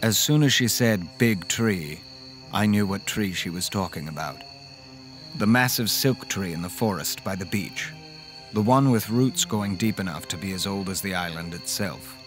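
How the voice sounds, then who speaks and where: An actor playing an earnest, haunted man who recounts his horror story in measured, dramatic first-person audio drama narration. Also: sits low, faint music behind, natural voice. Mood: tense recounting.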